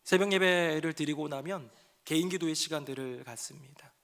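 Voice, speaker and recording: A man delivering a Sunday sermon from the pulpit, his voice sitting high for a man. He moves between quiet, reflective passages and raised, emotional outbursts, acting out the prayers he describes. Expressive preaching style. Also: fairly quick, vocal fry. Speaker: pastor.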